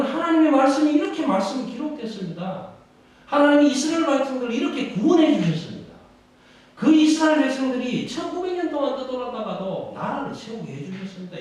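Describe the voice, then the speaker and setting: A male Korean pastor preaching a sermon in an emphatic, rousing way with dramatic pauses, in a large church sanctuary. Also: sits high, darkish tone. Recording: echoey hall from far off.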